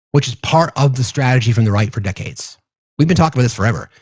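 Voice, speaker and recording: A man's voice: mid-range voice, a little mellow, dry recording. Man, political livestream host, earnest, muffled dry lo-fi sound. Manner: earnest, talks with callers.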